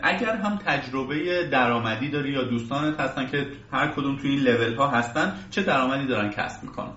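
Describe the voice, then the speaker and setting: A man's voice: mid-range voice, bright, forceful tone. Guy doing a chatty interview, echoey room, sounds far from mic. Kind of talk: conversational interview. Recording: echoey distant mic, muffled, faint hiss.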